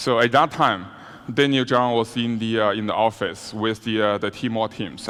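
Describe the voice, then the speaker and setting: A man talks with a Chinese accent at a fairly quick pace. His pitch is medium. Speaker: business executive. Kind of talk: conference keynote speech. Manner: halting, many fillers.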